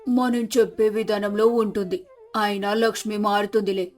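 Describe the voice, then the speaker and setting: Woman doing a lowered, measured older mother-in-law. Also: little pitch movement, a little mellow, lightly acted. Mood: calm, assured. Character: shrewd, calmly commanding older village mother-in-law. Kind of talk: moral storybook character voice. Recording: music behind the voice.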